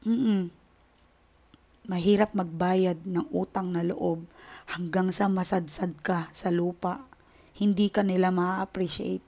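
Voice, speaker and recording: A Filipino-accented woman hosting her own tarot channel, chatting straight to her viewers. Her voice is mellow and warm. She sounds impassioned and indignant, and she slips between Tagalog and English. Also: medium pitch. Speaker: tarot reader and channel host. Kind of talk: casual chat to viewers.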